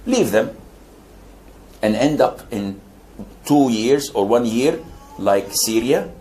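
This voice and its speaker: A man's voice: medium pitch, animated, slow pace, mellow, faint music behind, poor audio. An older man from Saudi Arabia answering a question as a Muslim preacher, with wry jokes and emphatic rises. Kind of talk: lecture Q&A answer.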